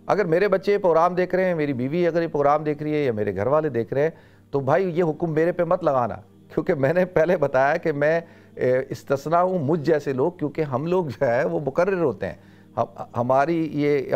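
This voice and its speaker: A middle-aged man from South Asia giving an informal religious lecture in a loud, emphatic preacher's voice, repeating phrases for emphasis. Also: fairly high pitch, highs cut off. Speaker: religious scholar giving a talk.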